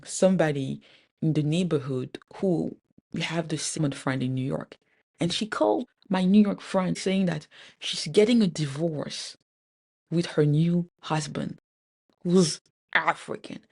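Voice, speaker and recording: A woman's voice: sits low, creaky, a little mellow. A woman from Cameroon telling a personal story in a candid, exasperated way, with frequent fillers and restarts. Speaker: podcast host. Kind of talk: storytime vlog.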